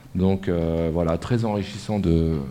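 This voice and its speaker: A man speaks with a very deep, low pitch and a dark, mellow tone. His pace is fairly slow, with ordinary pitch variation. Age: 50s. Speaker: job seeker in training. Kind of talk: mock job interview. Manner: halting.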